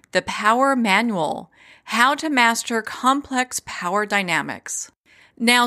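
A woman's voice: fairly high pitch, pushed and bright. A woman host reading a scripted show introduction in an upbeat, welcoming manner. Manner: upbeat, welcoming announcer delivery.

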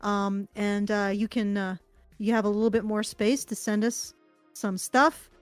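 A woman co-hosting a podcast, chatty and lively in casual talk. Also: medium pitch, measured pace, no echo, faint music behind. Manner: chatty, lively, giggles often. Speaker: podcast co-host. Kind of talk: casual chat.

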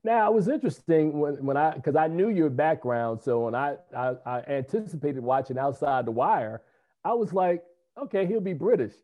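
A man interviews a guest in a relaxed, chatty way, tossing in casual asides as he asks his questions. His speaking voice sits a little higher than most men's. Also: normal speed, dull audio. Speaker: interview host.

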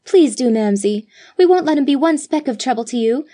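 A woman voicing a group of eager young sisters who plead and chatter excitedly. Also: sits high, voice pushed up. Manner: pleading, raised and quick.

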